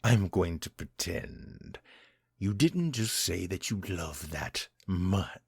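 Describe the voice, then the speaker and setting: A man voicing a cruel male vampire master who taunts his captive in slow, menacing speech that sinks into whispers. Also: sits low, expressive, creaky, slightly rough, no echo, clean studio sound, full character voice. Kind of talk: audio drama acting.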